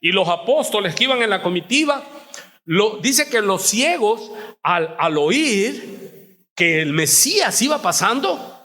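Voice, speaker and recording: A man preaching a passionate sermon as pastor, crying out and shouting biblical pleas, in a church. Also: high voice, very animated, a little slow. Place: church hall. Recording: long church hall reverb.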